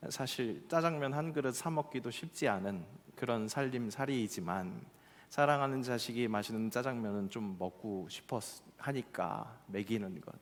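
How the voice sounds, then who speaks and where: A male pastor from Seoul delivering a Korean sermon, telling folksy stories with acted quotes and slowing down for emphasis. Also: lowish voice. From Seoul, South Korea. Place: church sanctuary. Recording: church hall with long reverb.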